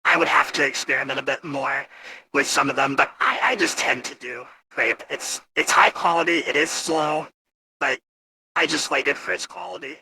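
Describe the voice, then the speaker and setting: A man casually walking through software, his voice turned gritty and grating by an AI voice changer. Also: a little high, moderate pace, husky, rough recording. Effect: AI voice changer with screamy character model. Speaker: host demonstrating voice models. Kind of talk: casual live software walkthrough.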